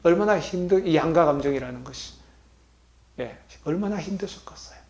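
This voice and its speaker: A male pastor with a slightly high, gravelly voice preaches to his congregation, recorded in an echoey hall. He keeps asking the room questions and swings from loud bursts to hushed words. The sermon rings through the hall at a retreat center. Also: lively intonation, brisk.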